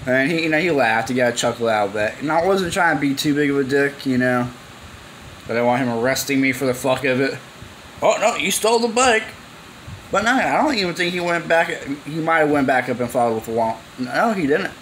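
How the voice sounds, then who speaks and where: A young man records a vlog in a cluttered garage, rambling informally in slang and acting out the exchanges in his story. His medium-pitched voice is brisk and a bit bright, with a little hiss or hum behind it.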